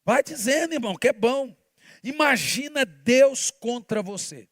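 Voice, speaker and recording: A man, preaching a sermon as pastor, shifting between forceful shouts and hushed asides. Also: very high voice, animated, unhurried, no echo, clean studio sound.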